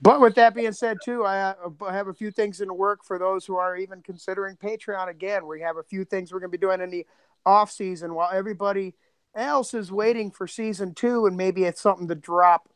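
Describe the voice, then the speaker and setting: High voiced guy doing casual podcast chat, jokey n animated, really dry sound. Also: a little fast, smooth, no echo. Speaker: podcast co-host and producer.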